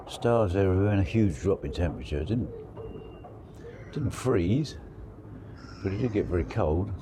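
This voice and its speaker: A very deep-voiced man, croaky from the cold, muses aloud in a relaxed, rambling way beside a lake. The outdoor recording carries clear, steady background noise. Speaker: angler vlogger. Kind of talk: casual spoken fishing diary.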